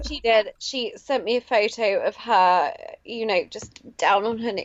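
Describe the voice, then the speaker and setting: In a British accent, a woman speaks fairly slowly at a fairly high pitch with ordinary pitch variation. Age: 20s. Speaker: podcast guest. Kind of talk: casual interview conversation.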